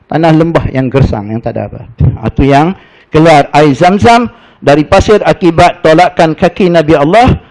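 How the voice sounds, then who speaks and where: A man's voice: fairly high pitch, normal speed, darkish tone, poor audio. Chatty Malaysian man teaching a religious class. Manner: chatty, folksy storytelling with Arabic recitation.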